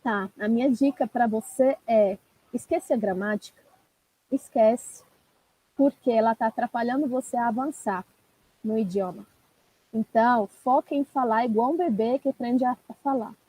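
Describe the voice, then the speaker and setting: A woman's voice: fairly high pitch, moderate pace, warm tone, breathy edge, no echo, poor audio. A woman, a language teacher giving encouraging, direct advice in a live-stream coaching talk.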